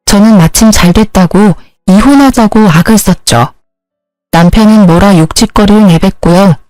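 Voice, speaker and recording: Woman narrator, steady scripted storytelling, middle pitch, dry close sound, faint music behind. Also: normal speed, dry recording, low-quality recording. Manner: plain, steady recounting.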